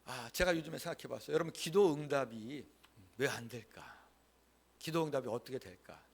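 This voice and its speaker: A man's voice: medium pitch, lively intonation, fairly quick, gravelly, breathy edge. A male pastor preaching a Sunday sermon in a church, repeating key phrases emphatically and leading the congregation to say lines aloud with him. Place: church sanctuary.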